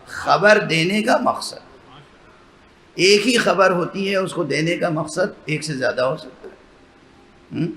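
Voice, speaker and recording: A religious scholar addresses a mourning gathering with a sermon lecture, his voice on the high side, bright and forceful, with frequent pauses. He explains his points step by step and often checks in through rhetorical questions. The hall is echoey with faint background noise.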